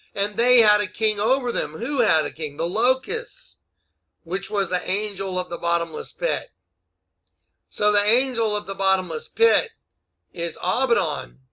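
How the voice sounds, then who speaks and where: In a put-on character voice, a man speaks raspy and high-pitched at a moderate pace with long, frequent pauses, on a very clean recording with a silent background. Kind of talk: sermon-style lecture. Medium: solo performance. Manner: excitable, emphatic, repetitive.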